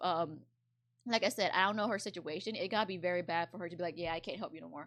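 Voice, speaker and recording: In a non-native accent, a woman speaks at a medium pitch with ordinary pitch variation over a quiet background. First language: not English. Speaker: vtuber streamer. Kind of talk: reading aloud and commenting on online stories. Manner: halting, many fillers.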